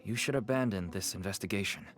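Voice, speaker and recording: An actor playing a wary middle-aged black-market merchant and father in a video game, smooth-talking, placating and expressive. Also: on the low side, fast talker, soft background music, close to an everyday voice. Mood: grave warning.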